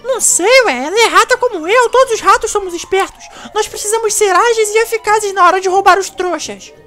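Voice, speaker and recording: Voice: very high voice, fairly quick, a bit bright, soft background music. A performer voicing a cheeky, thieving male mouse, whiny and exasperated, in a Minecraft role-play. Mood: indignant.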